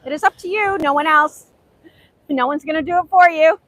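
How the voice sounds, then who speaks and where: A high, bright-voiced woman with a Hungarian accent talks earnestly to the camera outdoors by the beach. She is a native Hungarian speaker who overpronounces her words and circles back to repeat her points, with a brisk, crisp edge to her tone. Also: no room sound, poor audio. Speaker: author and host. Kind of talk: motivational faith talk to camera.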